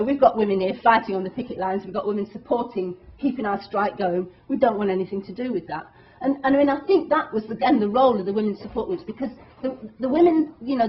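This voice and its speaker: A woman activist giving a public talk to an audience, speaking earnestly and emphatically, with many restarts. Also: mid-range voice. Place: meeting hall. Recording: dull lo-fi talk recording.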